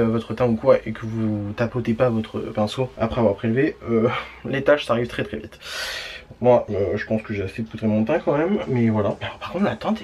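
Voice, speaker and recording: A man's voice: mid-range voice, a little hiss or hum. A man chatting casually through a makeup review at home, rambling with lots of fillers and slang and laughing at himself now and then. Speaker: beauty vlogger.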